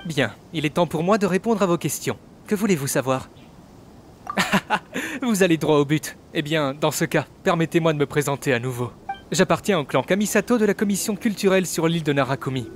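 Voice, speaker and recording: A man's voice: on the high side, animated, fairly quick, slight background noise, close to an everyday voice. A man playing an affable young servant of a noble clan in a game dub, speaking politely and formally. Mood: polite, assured. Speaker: amateur voice actor dubbing a game character. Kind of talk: scripted game dialogue dub.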